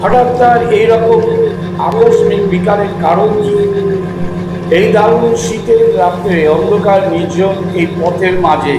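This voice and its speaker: A man's voice: sits high, measured pace, very noisy. A man reading a scripted horror story as its narrator. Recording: roomy echo under loud music. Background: background music.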